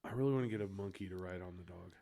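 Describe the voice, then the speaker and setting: A man's voice: low-pitched, very fast, gravelly, warm tone. A laid-back, joking man co-hosting a casual podcast from a home studio, swearing freely. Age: adult with a child. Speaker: podcast co-host and editor. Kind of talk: casual chat.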